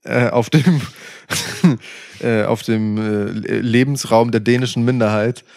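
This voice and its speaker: A man's voice: medium pitch, fairly even intonation, measured pace, creaky, darkish tone, no room sound, studio quality. A man from northern Germany co-hosting a podcast, chatting casually, with frequent restarts and chuckles. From Schleswig-Holstein, Germany. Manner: rambling with many restarts and laughs. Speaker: podcast co-host. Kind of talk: casual chat about wrestling.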